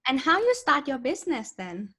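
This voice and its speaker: A woman's voice: sits high, very animated, normal speed, bright, forceful tone. A woman interviewer who asks short questions and gives brief reactions.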